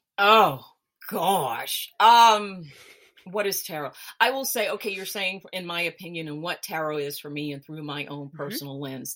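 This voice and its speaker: With an American accent and an ordinary speaking voice, a woman of fairly low pitch talks at a moderate pace, her intonation lively and her loudness swinging widely, on a very clean recording with a silent background. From US South, Memphis, Tennessee. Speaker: tarot reader and author. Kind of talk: interview conversation.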